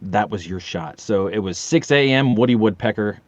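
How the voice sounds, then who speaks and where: A man's voice: fairly low pitch, normal speed, no echo, muffled recording. An American man in his fifties telling rambling, joking, sweary stories in a casual podcast chat. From Maryland, USA. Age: 50s. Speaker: podcast guest, voice actor. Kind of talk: comic storytelling in a casual chat.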